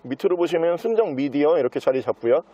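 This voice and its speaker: A man giving an unscripted sales walkthrough as a used car dealer, with smooth, practised salesman patter. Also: a little high, lively intonation, quick pace, dark tone, dry recording. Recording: dull, muffled lo-fi sound.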